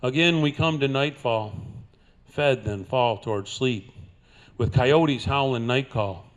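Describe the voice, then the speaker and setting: Older man, slow folksy cowboy twang. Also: mid-range voice. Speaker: cowboy poet performing at a senior center. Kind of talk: live cowboy poetry recital with folksy banter. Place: live before an audience at a senior center.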